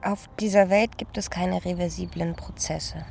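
A woman's voice: fairly low pitch, steady tone, normal speed, creaky, a little mellow, slight background noise. An actress playing an observant, teasing young woman in a radio drama. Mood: challenging.

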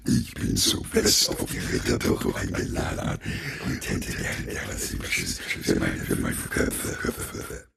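A man voicing a shy, eager five-headed male dragon in a deep gravelly growl whose words echo back. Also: slow pace, few pauses, very noisy, full character voice. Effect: echo repeating word endings.

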